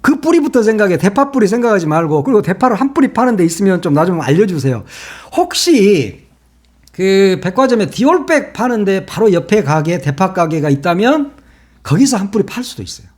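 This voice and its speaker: A man's voice: high-pitched, very animated, fairly quick, a little mellow. A man hosting his own political commentary channel, talking casually in a mocking, sarcastic way and laughing at his own jokes.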